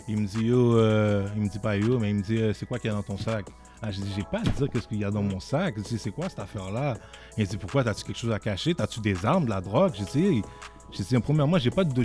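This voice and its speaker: A man's voice: fairly low pitch, brisk, faint music behind. A young man with a Québécois French accent, casually telling a story as a podcast guest and often asking "tu comprends?". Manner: animated, repeats "tu comprends?" often.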